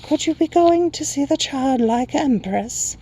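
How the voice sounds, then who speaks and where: Night goblin creature: eager, whispery, breathy, extremely high storybook voice. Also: male voice, expressive, measured pace, dark tone, a little hiss or hum, heavily acted, poor audio. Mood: curious, delighted.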